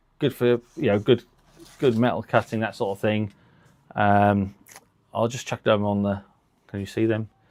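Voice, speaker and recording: A man with a British accent and fairly low pitch, at a moderate pace broken by long, frequent pauses. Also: fairly even intonation. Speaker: live stream auction seller. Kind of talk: live sales stream. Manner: hesitant, many fillers and repeats.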